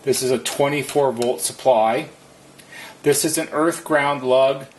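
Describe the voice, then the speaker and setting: A man giving methodical, step-by-step instructions as a repair technician, in a deliberate how-to narration. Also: medium pitch, fairly even intonation, breathy edge.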